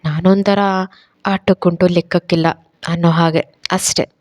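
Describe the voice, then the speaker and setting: A woman voicing a gentle middle-aged aunt who speaks softly and sorrowfully. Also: fairly low pitch, level tone, normal speed, close to an everyday voice. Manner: soft, tender, sorrowful.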